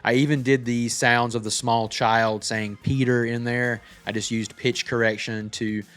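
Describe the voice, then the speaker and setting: A man's voice: medium pitch, flat delivery, unhurried, a bit bright. A man giving a casual tutorial as a filmmaker, walking through how a short film was made. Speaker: filmmaker presenting a breakdown of their own short film. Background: background music.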